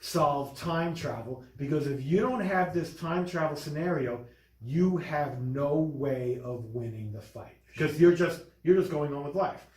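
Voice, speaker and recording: A man's voice: fairly high pitch, measured pace, a little mellow. A man hosting a casual film discussion, speaking in an emphatic, opinionated way. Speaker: podcast host reviewing films. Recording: roomy echo.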